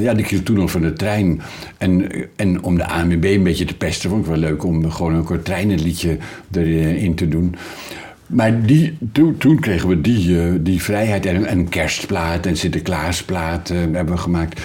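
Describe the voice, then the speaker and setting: An older man, a guest voice actor, telling stories in a relaxed interview, hesitant with many fillers. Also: low-pitched.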